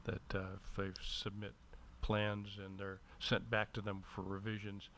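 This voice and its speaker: Man, city attorney, measured and lawyerly, very even low pitch, halting formal delivery, noisy meeting room. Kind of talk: formal public meeting remarks, halting explanation. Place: indoor council meeting room.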